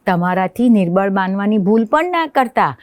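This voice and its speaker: A woman voicing a cocky little male mosquito from a storybook, shouting shrill taunts. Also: animated, normal speed, no echo, studio quality, close to an everyday voice. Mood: lecturing.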